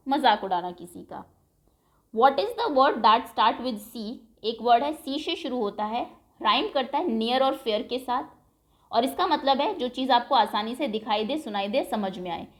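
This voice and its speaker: Her voice fairly high, a woman teaches an English lesson for young pupils, slowly reading out English lines before explaining them in Hindi with patience and saying words aloud again.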